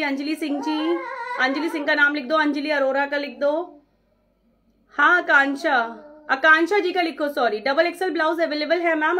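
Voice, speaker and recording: A young woman with a high, bright voice runs a live sale, calling out viewers' names and booking orders at a brisk pace. She chats casually and mixes English phrases into her Hindi. Faint music plays behind her. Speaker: saree seller on live stream. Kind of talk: live-stream sales chat.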